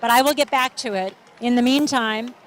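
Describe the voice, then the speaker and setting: Chatty high-voiced woman commentating a parade. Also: normal speed, slight background noise. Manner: chatty, enthusiastic, loses her place. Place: outdoors at a street parade.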